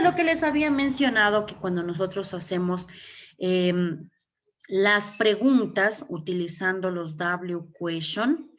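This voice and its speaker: A woman teaching English grammar in Ecuadorian Spanish during an online class, explaining step by step and checking in with "okay?". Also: on the low side. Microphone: computer mic on a video call. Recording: dull lo-fi video call audio.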